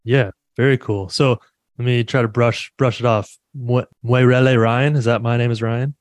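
A man's voice: medium pitch, fairly even intonation, moderate pace, no room sound. A man hosting a podcast, talking in an easygoing, chatty way and laughing often. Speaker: podcast host. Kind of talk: casual interview chat.

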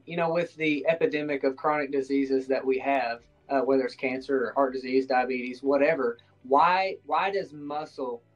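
Higher-voiced man, halting friendly host. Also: poor audio. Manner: friendly, halting, with frequent restarts and fillers. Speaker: podcast host. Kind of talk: casual interview questions.

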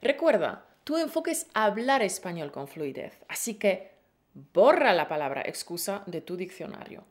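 A woman's voice: medium pitch, big pitch swings, moderate pace. A woman co-hosting a Spanish-learning podcast, teaching in a playful, encouraging way with pet names. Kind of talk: lively scripted lesson.

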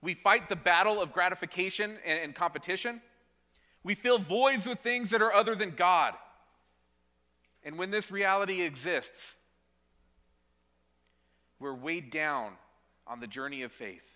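A man's voice: high voice, expressive, a little slow, pauses often. Preaching man in a reverberant hall. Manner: emphatic, with dramatic drops to quiet; restarts and repeats words while preaching. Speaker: pastor. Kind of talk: sermon. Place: church sanctuary.

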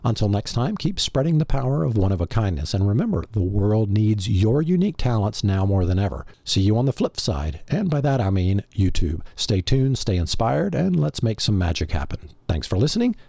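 Husky, animated male podcast host. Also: lowish voice, normal speed, hardly any pauses, no room sound. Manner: rhetorical, addressing the listener directly. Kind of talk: scripted motivational monologue.

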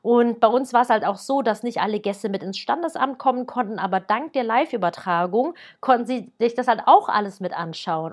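A woman in her thirties, born in Germany, talking casually and directly to the listener as a wedding planner giving advice. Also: a little high. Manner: chatty, lively, speaks directly to the listener.

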